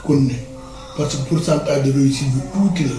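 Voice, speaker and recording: A man's voice: medium pitch, brisk. An older man with a Senegalese accent, a retired colonel giving advice in a conversational interview, emphatic and repeating words for stress. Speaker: retired colonel and wrestling elder. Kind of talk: conversational interview, mixing two languages. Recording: roomy, distant mic with music behind.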